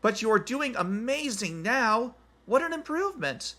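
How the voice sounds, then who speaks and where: Bright, lively male practice-dialogue voice. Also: extremely high pitch, measured pace. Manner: clear, evenly paced, textbook delivery. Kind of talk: scripted conversation practice.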